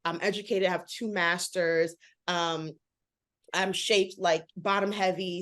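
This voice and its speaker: Animated woman talking fast in an interview. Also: fairly low pitch. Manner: fast, animated, frequent "like" fillers. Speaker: guest, author and model. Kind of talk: casual interview talk.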